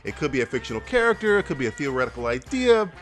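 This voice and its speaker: A man hosting a podcast in casual, profane banter, excitable and laughing often. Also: mid-range voice, very fast, faint music behind. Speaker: podcast host.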